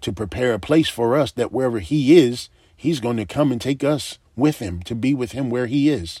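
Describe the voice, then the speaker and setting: A man speaks at a medium pitch with a dark, mellow tone and ordinary pitch variation. His pace is moderate, and the recording is very clean with a silent background. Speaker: podcast preacher. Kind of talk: sermon. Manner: unscripted, off the cuff.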